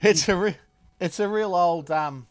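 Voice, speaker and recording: Friendly Australian man, somewhat higher voice. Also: unhurried. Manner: friendly, asks questions, joking asides. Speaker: podcast co-host. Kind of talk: casual interviewing.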